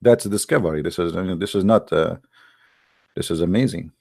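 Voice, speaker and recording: Deep-voiced, gravelly Arab-accented man hosting. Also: brisk, mellow. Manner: joking, sarcastic, teasing. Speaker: host of a live debate broadcast. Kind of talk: casual rambling live-stream talk.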